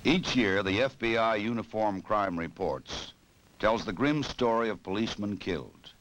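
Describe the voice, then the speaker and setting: An American man reading scripted 1960s training film narration in a formal, measured, authoritative way. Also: fairly low pitch, a bit bright. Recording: noisy old film soundtrack.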